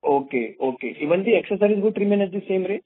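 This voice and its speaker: A man's voice: high-pitched, expressive, fast, crowd noise. A man with an Indian accent politely asking wordy, deferential questions as an analyst on an earnings call. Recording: narrow, phone-like call audio.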